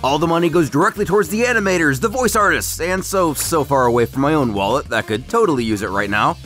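A man's voice: a little high, animated, fast, fairly bright tone, faint music behind. A man narrating a scripted story recap as a host, in a storyteller's delivery.

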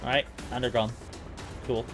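A man's voice: medium pitch, level tone, moderate pace, over music. An eighteen-year-old man giving casual, playful live commentary as he speedruns a video game.

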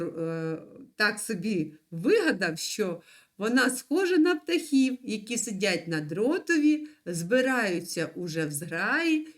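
A woman teaching young children in an online lesson, speaking slowly in a lively, sing-song voice. She draws out each syllable so the children can follow. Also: medium pitch. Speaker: primary school teacher.

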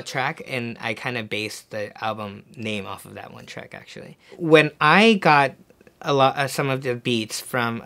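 A young man born in Korea, talking casually in an interview in a music studio, relaxed and full of fillers and little laughs. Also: mid-range voice. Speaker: singer-songwriter. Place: music studio with mixing console.

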